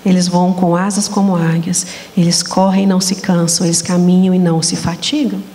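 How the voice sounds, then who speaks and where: A young Brazilian woman hosting a Christian women's talk show on a church stage, telling lively stories and speaking straight to the audience. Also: on the low side, a little fast. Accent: Brazilian Portuguese. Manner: animated storytelling, addresses audience as "gente".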